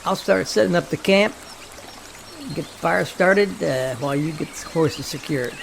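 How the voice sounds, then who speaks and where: A man playing an easygoing, plain-spoken hunting companion with a creaky voice in an amateur audio drama. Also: a little high, moderate pace. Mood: agreeable. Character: agreeable, easygoing hunting buddy in the wilds. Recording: clear background noise.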